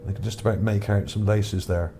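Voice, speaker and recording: Musing and hesitant, a man offers casual, unscripted commentary on images he found for his video. His mellow voice sits on the low side, with fairly even intonation and a fairly quick pace. Background noise runs under his speech.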